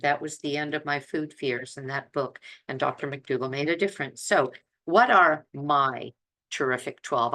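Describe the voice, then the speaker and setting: A woman's voice: extremely low pitch, pushed and bright. A woman in her seventies chatting informally to online viewers as a presenter, conversational and emphatic, repeating phrases for stress. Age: 70s. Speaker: plant-based diet presenter and group leader.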